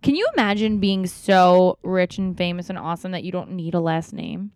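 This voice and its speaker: Fast, excitable young woman on a dry mic. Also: lowish voice, smooth, dry recording. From Philadelphia area, USA. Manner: animated, quick, full of laughing disbelief. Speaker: podcast co-host. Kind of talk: casual chat.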